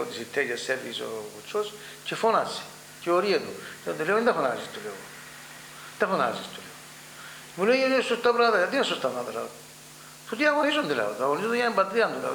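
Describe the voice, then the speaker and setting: A man's voice: fairly high pitch, creaky. An older man with a Cypriot Greek accent, recalling past events in an oral history interview and acting out the dialogue as he tells it. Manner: animated storytelling, acts out dialogue. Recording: echoey room with faint hum.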